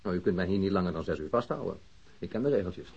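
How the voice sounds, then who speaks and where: Defiant male suspect: dark, very raspy, evasive and irritated, radio-play recording. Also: low-pitched, animated, fast talker, full character voice. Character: defiant, indignant male airline worker held as suspect. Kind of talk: Dutch radio play acting. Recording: dull lo-fi radio drama recording.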